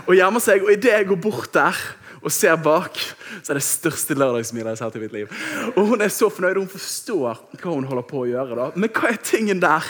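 A man in his thirties preaching a sermon, telling a personal story with lively, acted-out moments. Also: a little high. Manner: lively storytelling, acts out shouting.

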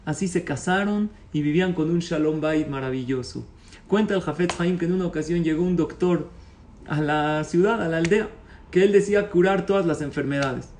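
A man telling a parable as a religious teacher, animated, acting out the characters and quizzing his audience. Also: fairly high pitch, fairly quick, recorded from a distance, a little hiss or hum. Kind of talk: storytelling sermon.

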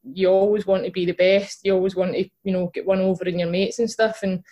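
A woman's voice: mid-range voice, level tone, quick pace, warm tone. A young woman with a Glaswegian accent, a guest chatting casually in an interview, with lots of fillers and restarts. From Scotland. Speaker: guest, footballer and podcast co-host.

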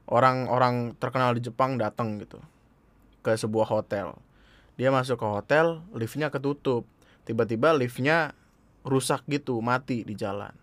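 A man's voice: medium pitch, fairly bright tone, no echo. A young man reads his own poems and posts aloud in a casual, joking way, laughing and swearing as he goes. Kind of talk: casual monologue reading his own writings.

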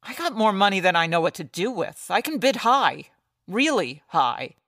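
An actress playing a cornered, calculating murderess in an old-time radio detective drama, guarded and theatrical. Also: female voice, mid-range voice, very animated, moderate pace, fairly bright tone, no echo, studio quality. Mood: sly, bribing. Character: cornered 1940s noir murderess, wealthy and calculating publisher.

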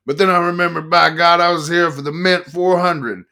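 A man voicing a rowdy, boastful drunk male biker fan who rambles loudly. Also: a little high, steady tone, normal speed, voice pushed up. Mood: boisterous.

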